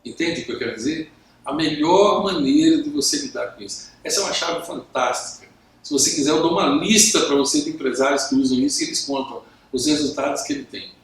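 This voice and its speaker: A Brazilian man coaching business owners to camera, talking calmly and acting out both sides of workplace conversations. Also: fairly high pitch, quick pace, far from the mic. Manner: acts out both sides of dialogues; calm, even tone. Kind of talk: instructional talk to camera. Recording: very echoey room.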